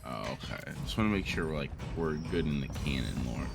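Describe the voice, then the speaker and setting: Low-voiced, animated man chatting over a game. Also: a little fast, vocal fry, over music. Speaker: co-host of a gaming let's play series. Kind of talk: casual chat over gameplay, bantering with a friend.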